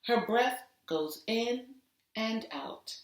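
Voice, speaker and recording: A woman teacher giving an expressive storybook read-aloud for children, deliberate and with dramatic emphasis. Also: a little high. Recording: roomy echo, distant microphone.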